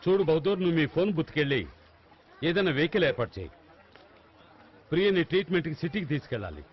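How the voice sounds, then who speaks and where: An impatient camp leader. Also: male voice, a little high, very animated, fast talker, husky. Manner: commanding, impatient. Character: brisk male adventure-camp leader. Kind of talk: Telugu film dub. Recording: dull film dub with music.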